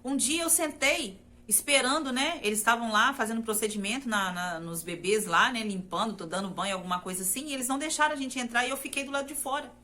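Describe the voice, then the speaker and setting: A woman's voice: on the high side, quick pace, few pauses, sharp tone. A woman from Brazil sharing a personal faith testimony in an earnest, repetitive way, often turning to her listeners directly. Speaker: testimony speaker.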